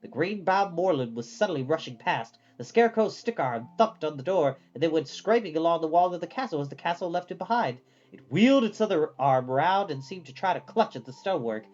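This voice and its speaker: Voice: medium pitch, lively intonation, fairly quick, hardly any pauses, darkish tone, highs cut off. A storyteller reading a fantasy novel aloud as scripted storybook narration.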